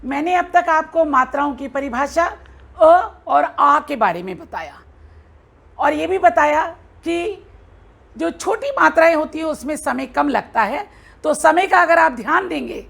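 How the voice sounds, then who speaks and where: A woman's voice: high-pitched, gravelly, a bit bright. A woman teaching a Hindi lesson to children, patiently drawing out and repeating each sound as she demonstrates.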